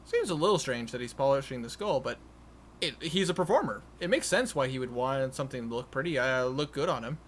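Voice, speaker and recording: A man improvising narration as game master of a tabletop game, haltingly repeating and restarting his phrases. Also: mid-range voice, lively intonation, a bit bright. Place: online voice call. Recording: noisy home voice-chat recording.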